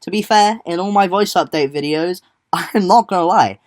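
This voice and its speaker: A man's voice: high-pitched, moderate pace. Chatty young trans man vlogging. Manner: chatty, rambling, self-deprecating. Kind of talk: casual update vlog.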